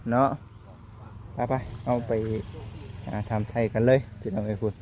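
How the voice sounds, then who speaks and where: A man with an Isan accent talks casually to his followers from a village outdoors. His voice sits at a middle pitch. He keeps calling out to his viewers as he goes. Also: steady tone, measured pace, darkish tone. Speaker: vlogger.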